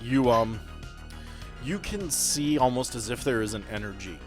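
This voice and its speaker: A man's voice: mid-range voice, expressive, normal speed. A man running a tabletop game as game master, narrating and explaining the rules in a conversational way. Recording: music behind the voice. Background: background music.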